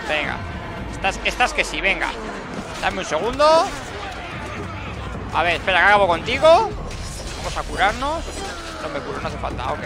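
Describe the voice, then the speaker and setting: A man with a Spain Spanish accent giving jokey, excitable gameplay commentary and talking to the game characters. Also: high voice, normal speed, vocal fry, long pauses, a crowd in the background. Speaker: gaming channel host. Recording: game music and sounds behind.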